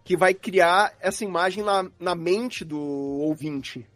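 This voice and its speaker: A man's voice: high voice, slow, a bit bright, no echo, faint music behind. A man with a Brazilian accent talking casually as a guest sound designer, explaining his craft and acting out his thought process. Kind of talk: casual interview chat about craft.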